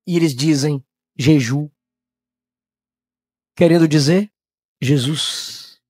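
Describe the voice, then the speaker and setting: A man from Brazil preaching a Pentecostal sermon, shouting in high bursts and then dropping to low, quiet tones. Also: slow pace, no room sound, studio quality.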